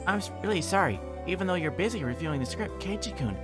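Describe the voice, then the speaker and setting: A man's voice: high-pitched, lively intonation, quick pace, over loud music, pitched above the performer's own voice. A man voicing a perky, friendly anime schoolgirl in a visual novel, light and chummy. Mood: apologetic. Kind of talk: amateur visual novel character reading.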